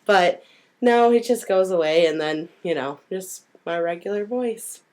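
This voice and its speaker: A woman with a hoarse voice from a cold, chatting casually and informally as a podcast co-host, given to giggling. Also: on the low side, a little slow, darkish tone. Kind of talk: casual chat.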